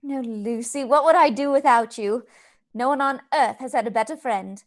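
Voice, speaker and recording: A woman's voice: high-pitched, moderate pace, close to an everyday voice. A woman playing a devoted, anxious young friend in a live radio play, with an emotional, solicitous manner.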